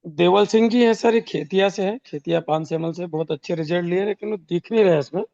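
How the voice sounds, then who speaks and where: A man with a high, gravelly voice briskly directs who speaks next on a video call. The sound is dry and close, with no room, and the call audio is muffled. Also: warm tone, dry recording. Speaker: call organizer.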